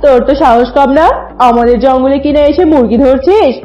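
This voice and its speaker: Woman voicing a bossy high-voiced cartoon tigress. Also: a little fast, mellow, natural voice. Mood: angry, dismissive. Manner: stern, challenging. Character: bossy, hostile tigress ruling her jungle. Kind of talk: cartoon voice acting. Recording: dull lo-fi audio, music behind.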